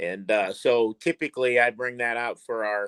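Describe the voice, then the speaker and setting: A man is talking. His tone is bright and sharp. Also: dry, close sound with no echo. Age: 60s. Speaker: racing series organizer. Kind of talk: interview.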